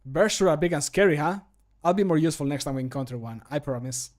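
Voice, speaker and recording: A man's voice: fairly high pitch, quick pace, lightly acted. A man voicing an earnest, wry and reassuring companion in a fantasy game, recorded close to a home microphone. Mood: reassuring, apologetic. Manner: earnest, punning, apologetic.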